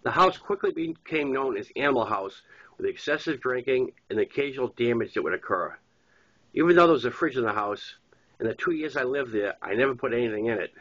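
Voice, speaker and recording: A man's voice: medium pitch, lively intonation, fairly quick, a bit bright. A man with a Boston accent and a stuffy head-cold voice reads his own novel aloud in an informal storytelling way. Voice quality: congested, stuffy nose. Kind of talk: narrated memoir-style audiobook reading. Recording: dull lo-fi recording.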